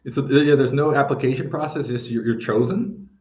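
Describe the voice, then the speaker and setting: A man's voice: mid-range voice, steady tone, normal speed, a little mellow. Male interviewer, curious and encouraging, echoey room, slightly dull sound. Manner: curious, encouraging follow-up questions. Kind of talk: conversational interview.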